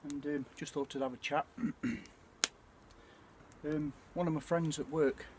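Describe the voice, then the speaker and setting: A British man in his forties chatting casually and reflectively to camera, with a hesitant, throat-clearing delivery. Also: on the high side, steady tone, measured pace. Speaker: bushcraft vlogger. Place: outdoors at night by a small campfire. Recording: clear ambient noise of an outdoor campfire.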